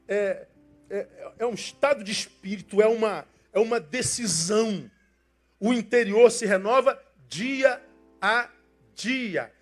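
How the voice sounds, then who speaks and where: Preaching with passion, an older pastor moves from loud, emphatic moments to quiet asides. He speaks with a Brazilian Portuguese accent in a high voice.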